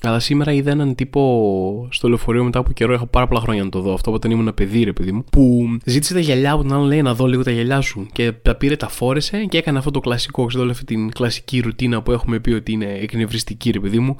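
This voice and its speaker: A man hosting his own podcast, telling comic everyday stories in a rambling, animated way with lots of filler phrases. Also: mid-range voice. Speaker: podcast host. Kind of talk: comic storytelling monologue.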